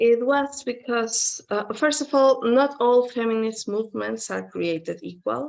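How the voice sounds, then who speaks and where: A woman talks with a Spanish accent. Her pace is very slow. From Mexico. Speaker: women's coach. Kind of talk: talk to camera.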